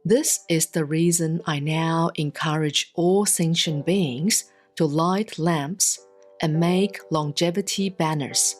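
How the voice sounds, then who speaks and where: A woman reads a Buddhist sutra aloud in a solemn, scripted style, with measured, deliberate enunciation and long pauses. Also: sits low, darkish tone. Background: instrumental music.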